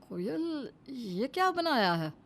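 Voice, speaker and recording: A woman's voice: high voice, very animated, takes it slowly, creaky, a bit bright, exaggerated voice. Woman voicing a grumbling young husband. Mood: complaining. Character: young husband, complaining then meek. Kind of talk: cartoon story voice acting.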